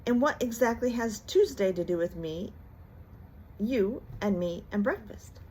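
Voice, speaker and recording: A woman voicing a gentle, polite male teddy bear in a storybook, with a thoughtful and hesitant manner. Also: mid-range voice, lively intonation, measured pace, slight background noise, lightly acted, low-quality recording.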